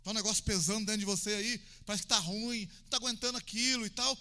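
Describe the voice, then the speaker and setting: A man with a Brazilian Portuguese accent preaching an evangelical sermon in a colloquial, conversational way, acting out prayers with sudden loud, high shouts. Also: steady tone, quick pace. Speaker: pastor.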